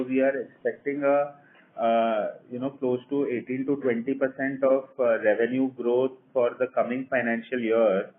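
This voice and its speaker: A man's voice: mid-range voice, a little hiss or hum. Indian-accented male executive on a tinny phone line. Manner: measured, explanatory, frequently saying "you know". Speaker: company executive answering analyst questions. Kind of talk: earnings call Q&A. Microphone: phone conference call. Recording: tinny, narrow-band conference phone line.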